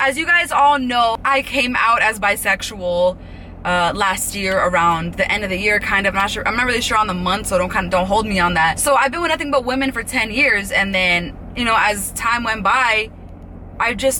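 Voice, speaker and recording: A woman's fairly high, animated voice with lively intonation over noticeable background noise. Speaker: YouTuber. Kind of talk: casual vlog talk to camera. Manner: fast.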